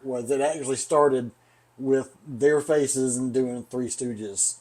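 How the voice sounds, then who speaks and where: A man's voice: medium pitch, fairly even intonation, slow pace, darkish tone. A middle-aged man co-hosting a podcast in casual chat, rambling, swearing casually and hedging what he says. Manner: rambling, swears casually, hedges his claims. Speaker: podcast co-host.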